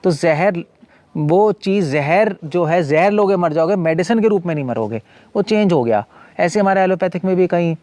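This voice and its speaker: Hindi-speaking man, conversational and slightly high. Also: dark tone, no echo. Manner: conversational, repeats words and restarts, mixes English terms into Hindi. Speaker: monk and former medical doctor giving a talk. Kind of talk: casual explanatory talk. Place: cow shelter owner speaking from his farm community.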